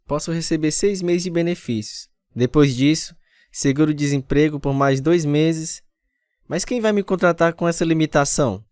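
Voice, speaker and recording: A man's voice: on the high side, moderate pace, a little mellow, no room sound, clean studio sound, lightly acted. An actor playing an earnest, repentant husband who tells his conversion story in a scripted radio drama. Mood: worried. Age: 30s. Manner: earnest, confessional delivery. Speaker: narrator and lead character. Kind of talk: scripted radio drama with first-person narration. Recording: radio drama over guitar music. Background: acoustic guitar music.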